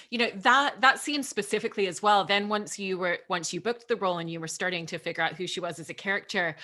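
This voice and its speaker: A woman's voice: lowish voice, sharp tone. A woman moderating an interview, asking long, effusive questions.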